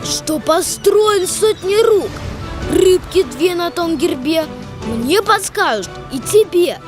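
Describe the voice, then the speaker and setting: A woman's voice: very high-pitched, expressive, slow pace. A woman reciting a simple children's poem. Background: music.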